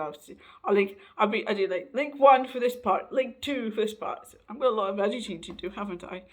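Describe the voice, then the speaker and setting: A young trans man, rambling casually in a personal vlog, often correcting himself and laughing, his voice slightly raspy and hoarse. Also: sits high. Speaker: vlogger.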